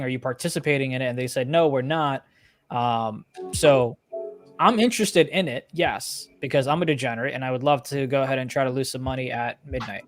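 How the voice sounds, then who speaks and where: A man's voice: mid-range voice, no room sound. Casual man talking live trades, dry sound. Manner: casual, self-deprecating, thinks aloud about trades. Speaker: stock trading show co-host. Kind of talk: live trading chat.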